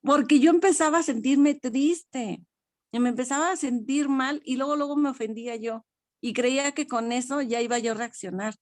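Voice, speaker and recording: Older Mexican woman, testimony share; frank, self-mocking, higher voice, dry close sound. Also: normal speed, darkish tone, no room sound. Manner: frank and self-deprecating, laughs often. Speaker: study group participant. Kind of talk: personal spiritual testimony.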